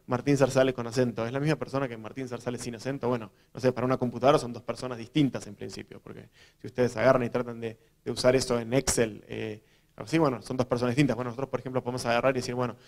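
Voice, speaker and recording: A man with an Argentine accent, a programmer giving a relaxed, conversational talk to journalists, filling his explanations with fillers and restarts. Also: mid-range voice. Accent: Argentine Spanish. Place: university event hall.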